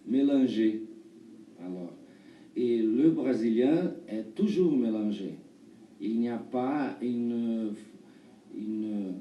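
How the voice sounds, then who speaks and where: A man in his thirties from Brazil answers interview questions in halting, imperfect French with a Brazilian accent. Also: mid-range voice, dark tone. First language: Portuguese. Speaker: actor and performer being interviewed. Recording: roomy, distant mic, faint noise.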